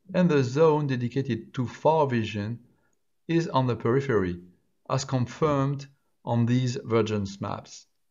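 In a French accent, a man speaks with lively intonation. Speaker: ophthalmic surgeon. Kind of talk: medical conference presentation.

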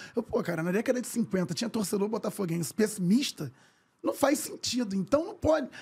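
A high-pitched man talking at a fairly quick pace with lively intonation. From Rio de Janeiro, Brazil. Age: 30s. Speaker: sports journalist and YouTuber; sports journalist, YouTuber. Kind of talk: casual chat. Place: studio. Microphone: studio mic.

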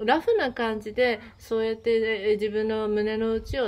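Fairly high in pitch, a woman speaks in a relaxed tone. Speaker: spiritual healer and YouTuber; YouTuber. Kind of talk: casual vlog chat. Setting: outdoors on a small island. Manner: relaxed, loose. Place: open country.

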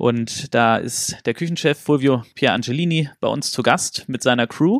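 Here a man talks at a fairly slow pace with ordinary pitch variation. The sound is dry with no echo, and the background quiet. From Germany, Aachen area; Germany. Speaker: hotel manager; guest. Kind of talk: interview. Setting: hotel rooftop. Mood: friendly, proud, upbeat. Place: home room. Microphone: handheld.

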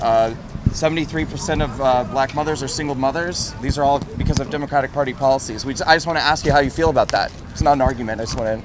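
A man talks at a very fast clip over noticeable background noise. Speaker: street interviewer. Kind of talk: street interview. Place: street. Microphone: handheld.

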